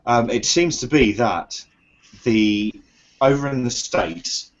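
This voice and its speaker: A man hosting a casual chat, relaxed and matter-of-fact. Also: medium pitch, takes it slowly. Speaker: host. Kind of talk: casual chat reviewing vape juice. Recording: muffled lo-fi recording.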